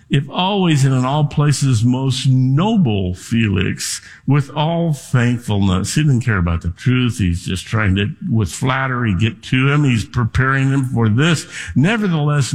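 Man preaching in a long-reverb hall. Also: mid-range voice. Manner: conversational, explanatory, frequent fillers. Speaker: pastor. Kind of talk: sermon. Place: church sanctuary.

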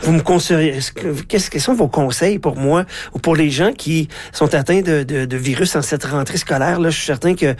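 Canadian French radio host with a cold. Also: male voice, on the high side, moderate pace, hardly any pauses, no room sound. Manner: hesitant, many fillers and restarts. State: has a head cold, coughing a little. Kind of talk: radio show hosting and chat.

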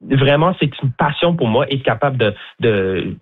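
A man's voice: mid-range voice, lively intonation, moderate pace, husky. A young man from Newfoundland, a bilingual guide at a botanical garden, answering interview questions in a chatty, hesitant way with many fillers. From Newfoundland, Canada. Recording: tinny phone line.

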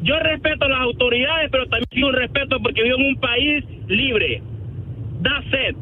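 A man's voice: very high voice, moderate pace, slight background noise. A man from Honduras, calling in to a radio show and talking in a defiant, insulting way over a muffled phone line. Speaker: caller.

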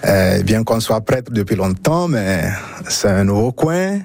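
Gravelly, lively-voiced priest. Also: male voice, fairly low pitch, unhurried, dry recording. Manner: hesitant, short phrases. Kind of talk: radio interview.

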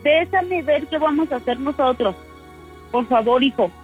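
A high-pitched, tearful woman pleads with her son over a tinny phone line. She is anxious and keeps repeating herself, and faint music runs behind her. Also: lively intonation, normal speed. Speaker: mother on a phone call.

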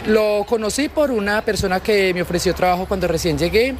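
A Colombian man speaks easily about his neighbourhood, his voice pitched high. Faint street noise sits behind him outdoors. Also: a little fast. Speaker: resident. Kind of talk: street interview.

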